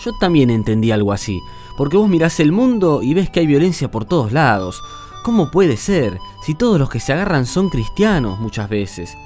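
A man's voice: fairly high pitch, big pitch swings, normal speed, a little mellow, faint music behind. A man with an Argentine accent speaking in a conversational radio drama style. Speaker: cast member of a religious radio show.

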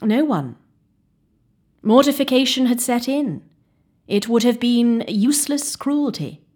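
A kindly older physician, read by a woman, calm and soothing at a bedside. The voice is soft and breathy, and the pace stays slow. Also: lowish voice. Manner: kind, soothing.

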